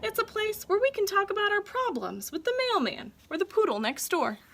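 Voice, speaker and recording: A woman's voice: very high voice, expressive, a little fast, background noise, pitched above the performer's own voice. A woman voicing a confident, easygoing male dog who runs his own club in a children's story, speaking in an assured, emphatic way. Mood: proud, enthusiastic.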